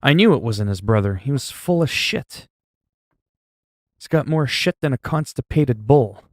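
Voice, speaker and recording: Loud, profane mock-stern streamer man. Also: mid-range voice, animated, unhurried, no room sound, studio quality. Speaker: livestream host. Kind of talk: casual livestream chat.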